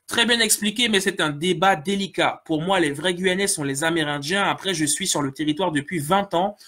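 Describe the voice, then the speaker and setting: Reading listener comments aloud, this podcast host from French Guiana talks earnestly and directly to his audience on his casual solo show. His voice is high-pitched, pushed and bright.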